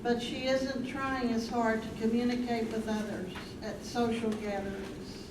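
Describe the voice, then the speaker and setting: A woman's voice: on the high side, level tone, measured pace, lightly acted. Woman as stage narrator, distant and echoey. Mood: measured. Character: female storyteller, plain and measured. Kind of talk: staged reading, scripted narration. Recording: echoey distant stage recording, clear noise.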